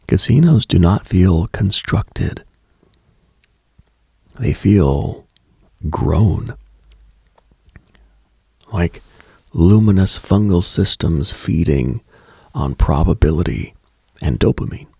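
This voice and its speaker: A man hosting late-night radio with a brooding, deliberate scripted monologue in a hushed, husky, gravelly voice. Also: low voice, lively intonation, no room sound, studio quality.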